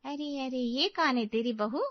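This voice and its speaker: A woman's voice: high voice, a little slow, no echo, muffled recording. A woman voicing a mocking older female neighbor in a cartoon story. She teases and cackles at her rival. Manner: teasing, cackling laughter. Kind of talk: Hindi cartoon story voice acting.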